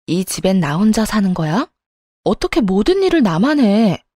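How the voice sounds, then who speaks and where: A woman's voice: mid-range voice, big pitch swings, moderate pace, mellow, no room sound, studio quality. A woman voicing a tired wife who pushes back against her dismissive husband. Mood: pleading. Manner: pleading then sharply indignant. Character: exhausted, indignant wife, an ER worker in her 30s.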